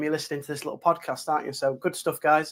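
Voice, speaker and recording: A man with a Yorkshire accent is heard on a very clean recording with a silent background. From Yorkshire, northern England. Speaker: geography teacher. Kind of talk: live stream revision session. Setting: live stream. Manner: animated.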